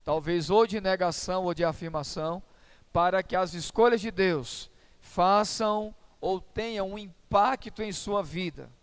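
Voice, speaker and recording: A man with a high, clear and resonant voice delivers a sermon as pastor. He preaches in a relaxed, conversational way, mixing humor and everyday stories into the message. The voice carries the easy warmth of someone talking directly to a church congregation. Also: measured pace.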